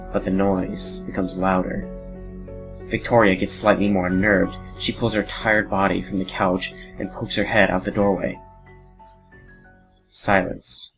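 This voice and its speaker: A man reading scripted horror narration as the storyteller of an audio drama. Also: low-pitched.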